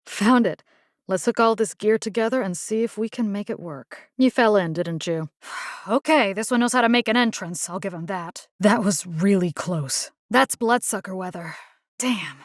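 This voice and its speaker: A woman's voice: mid-range voice, moderate pace, no room sound, lightly acted. A tough young Latina military engineer from a video game, acted by a woman, speaks. She is wry and casual, full of slang. The sound is close and dry. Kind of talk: video game character voice lines.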